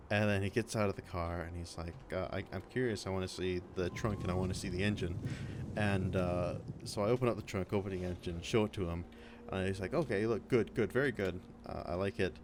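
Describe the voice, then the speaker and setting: A man's voice: sits low, slight background noise. A young man telling a rambling personal anecdote in a casual, conversational way as a let's play host, often quoting other people.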